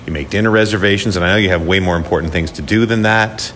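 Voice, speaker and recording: A man's voice: deep voice, fast talker, a little hiss or hum. A man hosting a podcast, bantering with co-hosts and interviewing a guest in casual chat. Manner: joking, animated banter. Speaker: podcast host.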